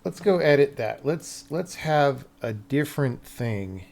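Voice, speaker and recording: A man's voice: medium pitch, expressive, measured pace, vocal fry, darkish tone. A man live-streaming game development, thinking aloud casually and muttering to himself in short fragments.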